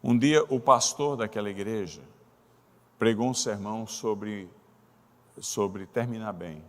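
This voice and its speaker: A man's voice: lowish voice, slow pace. A middle-aged man preaching a sermon as a pastor, telling a story with rising emotion. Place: church sanctuary. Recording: long reverb of a church hall.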